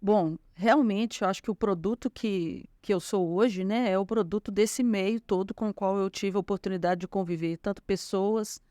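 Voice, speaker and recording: A woman's voice: mid-range voice, moderate pace, hardly any pauses, no echo, clean studio sound. A woman from Minas Gerais, Brazil, with a Minas Gerais accent, a guest telling her life story in an interview, full of small fillers. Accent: Minas Gerais Portuguese. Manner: warm storytelling with frequent fillers. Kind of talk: conversational interview.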